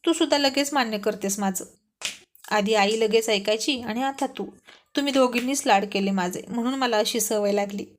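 A woman's voice: a little high, normal speed, slight background noise, close to an everyday voice. A woman voicing a tearful husband near fifty. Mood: hurt, pleading. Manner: pleading, emotional dialogue.

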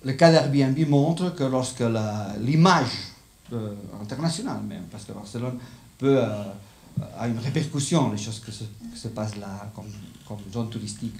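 A man's voice: mid-range voice, moderate pace, a little mellow. A middle-aged man with a Spanish accent, a non-native speaker giving a live lecture and often searching for his words. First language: not French, speaks it as a foreign language. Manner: hesitant, searching for words in a second language. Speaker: conference speaker. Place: indoor lecture room with seated audience. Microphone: handheld microphone. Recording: echoey room, slight background noise.

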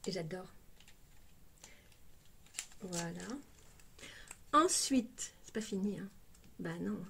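A woman's voice: fairly low pitch, lively intonation, slow pace, vocal fry. Parisian French woman, casual beauty vlogger, chatty and exclamatory, faint background noise. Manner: chatty, exclamatory, lots of "hein" fillers. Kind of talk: casual unboxing chat.

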